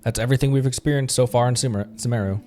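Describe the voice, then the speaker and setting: A man's voice: mid-range voice, fairly even intonation, very fast. A man livestreaming a game, chatting casually and reading dialogue aloud in a playful way. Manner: playful, silly sound words, stumbles while reading. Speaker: streamer. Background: game music.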